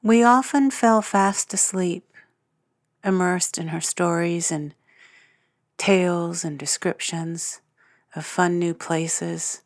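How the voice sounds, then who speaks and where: A woman guiding a sleep meditation in a soothing, hushed, measured manner with long pauses between phrases. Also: fairly low pitch, no room sound, clean studio sound. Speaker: meditation guide, podcast host. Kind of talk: guided sleep meditation narration. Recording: music under the voice. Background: soft guitar and piano music.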